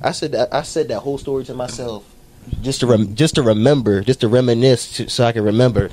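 A man's voice: medium pitch, fast talker, a little mellow, a little hiss or hum. Rambling, profane young male podcaster. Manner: rambling, profane storytelling with laughs. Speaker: podcast co-host. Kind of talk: casual chat.

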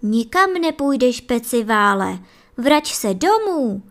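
A woman's voice: fairly high pitch, lively intonation, lightly acted. Woman doing a stern mother hare. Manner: stern, firm commands. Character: strict but caring mother hare.

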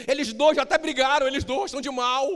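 A man preaching a sermon as pastor, emphatic, swinging between loud outbursts and low drawn-out lines. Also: fairly even intonation, long reverb tail.

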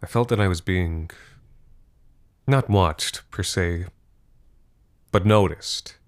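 A man's voice: low voice, slow. A man playing a wry, uneasy narrator of a woodland horror tale, telling it conversationally in the first person. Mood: brooding, uneasy. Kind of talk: first-person horror audio drama monologue.

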